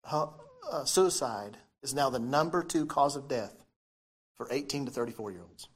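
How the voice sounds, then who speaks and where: A man's voice: medium pitch, expressive, moderate pace, husky. A man preaching a sermon, repeating key phrases and putting questions to his listeners, his articulation slightly impeded by dental braces.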